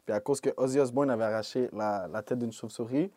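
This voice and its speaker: Laid-back young Québécois man, mellow voice. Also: medium pitch, fast, no room sound. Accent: Québécois French. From Quebec, Canada. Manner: laid-back, peppered with English slang like "yo" and "bro". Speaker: rapper, interview guest. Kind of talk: casual interview talk.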